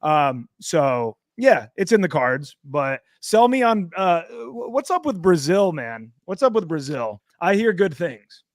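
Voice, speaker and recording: A man's voice: high voice, very animated, measured pace, few pauses, dry recording, clean studio sound. An American man as an interview guest, chatting casually with slang and swearing. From United States. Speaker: interview guest, dating coach. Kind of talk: casual chat.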